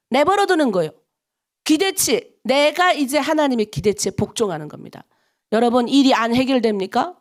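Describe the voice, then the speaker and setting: A middle-aged woman pastor from North Korea with a North Korean accent, preaching an early-morning prayer sermon in an animated way and acting out the voices of people in her stories. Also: on the high side.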